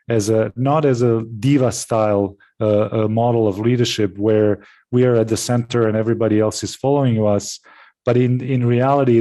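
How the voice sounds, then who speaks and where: A man from Serbia, giving a presentation over a video call, full of pauses, fillers and restarts. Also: mid-range voice, warm tone. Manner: hesitant, many fillers and restarts. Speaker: webinar presenter. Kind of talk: online presentation. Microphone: video call with headset.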